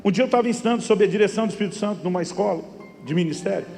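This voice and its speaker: A man's voice: sits high, racing, creaky, a little mellow, long reverb tail, soft background music. A middle-aged Brazilian man preaching a sermon as a pastor, telling stories and acting out conversations with emphatic peaks. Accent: Brazilian Portuguese. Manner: storytelling, acts out dialogue, rising to emphatic peaks.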